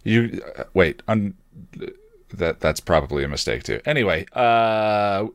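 Low-voiced man rambling on a podcast. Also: lively intonation, measured pace, no echo, studio quality. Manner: self-deprecating, digressive, often correcting himself mid-thought. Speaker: podcast host. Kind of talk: rambling casual solo podcast monologue.

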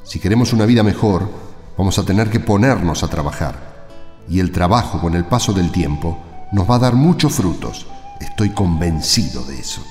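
A man's voice: low voice, expressive, moderate pace, a little mellow. An Argentine man playing an impassioned village priest in a radio drama, emphatic and full of rhetorical questions. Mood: earnest, exhorting. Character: impassioned village priest rallying his parishioners. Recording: echoey hall reverb, music behind.

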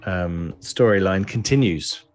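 A man's voice: low voice, measured pace, soft background music. A man who plays in a tabletop game group, chatting casually about upcoming games. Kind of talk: casual chat.

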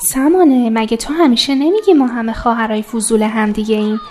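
An actress playing a caring young woman who gently coaxes a crying friend in a radio drama. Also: fairly high pitch, a little hiss or hum, close to an everyday voice. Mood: tender. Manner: tender, coaxing.

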